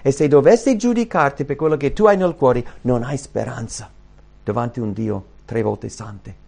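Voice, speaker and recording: A man preaching a sermon and reading scripture aloud, swinging between loud, high emphatic bursts and quiet, low asides. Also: moderate pace, vocal fry. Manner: reads scripture aloud to the congregation.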